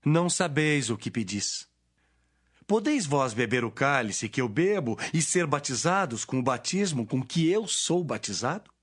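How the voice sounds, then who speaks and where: Man acting grave authoritative teacher, declamatory, Bible drama, mid pitch, animated melody. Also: a little slow, breathy edge.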